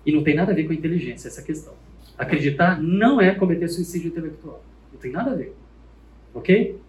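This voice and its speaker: High-voiced man teaching a church class. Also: reverberant, low-quality recording. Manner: animated, asks the class questions. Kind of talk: classroom Bible lesson.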